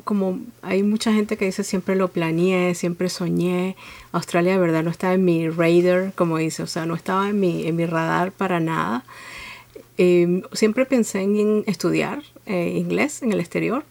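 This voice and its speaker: A woman from Venezuela with a Venezuelan accent, telling her story as an interview guest in a reflective, steady way with frequent fillers. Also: on the low side, gravelly.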